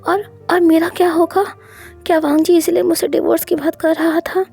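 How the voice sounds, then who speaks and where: A sobbing, stammering young husband, as a woman storyteller puts him on, high and pleading in a mellow tone. He begs and clings in a breathy, shaky voice. Soft music plays faintly behind this storybook reading. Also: little pitch movement, moderate pace. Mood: anxious. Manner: stammering, sobbing, whispery at times.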